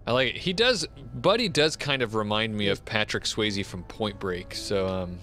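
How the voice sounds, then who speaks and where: Lowish, bright-voiced man in game chat. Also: lively intonation, moderate pace. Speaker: board game player. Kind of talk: casual tabletop game chat.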